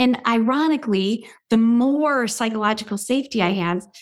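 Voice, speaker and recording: At a fairly slow pace, a woman with a Midwestern US accent speaks in a fairly high voice with ordinary pitch variation. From US Midwest, Michigan. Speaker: sociologist and author. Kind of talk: interview conversation.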